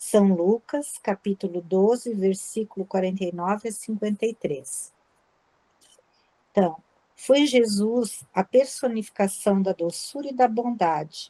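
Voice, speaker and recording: A soft-spoken woman talks at a fairly slow pace and a medium pitch, with ordinary pitch variation. Her tone is dark and mellow, and the sound is dry and close with no echo. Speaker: spiritist study group leader. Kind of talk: reading aloud.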